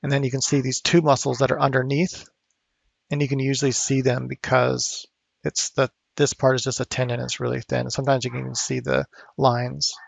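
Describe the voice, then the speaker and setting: Man, gravelly fry-heavy voice, dry close sound, casual rambling tutorial. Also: mid-range voice, flat delivery, a little fast, no room sound. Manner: rambling, thinking aloud with fillers. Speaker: art instructor. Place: home studio.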